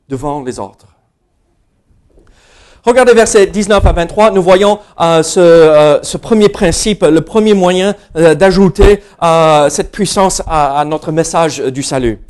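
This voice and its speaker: Man, strong American accent, high voice, hesitant sermon, self-deprecating laughs. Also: darkish tone. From United States. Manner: halting, many fillers and restarts, laughs at himself. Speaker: preacher.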